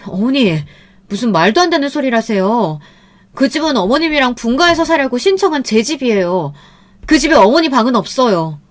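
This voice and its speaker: A woman voicing an outraged, sharp-tongued young wife in a story, indignant and confrontational. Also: medium pitch, expressive, unhurried, few pauses, husky. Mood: firm, indignant.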